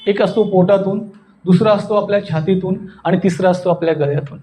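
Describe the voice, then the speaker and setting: A man's voice: high-pitched, steady tone, a little fast, mellow. A man with a Marathi accent teaching an interactive public speaking workshop, demonstrating and often checking understanding with questions.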